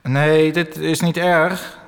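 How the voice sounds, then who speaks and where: A mournful, self-pitying basement worker. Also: male voice, a little high, level tone, vocal fry, clear, resonant tone. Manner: slow, mournful, passive-aggressive. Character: gloomy, self-pitying man who works in the basement selling ads. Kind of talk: radio comedy acting. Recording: long reverb.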